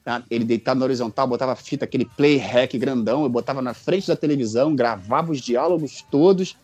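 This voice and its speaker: A Brazilian man in his forties chatting casually as a guest, telling personal stories in an animated, jokey, colloquial way. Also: mid-range voice, fast talker, slightly rough, no echo, faint music behind. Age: 40s. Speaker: podcast guest.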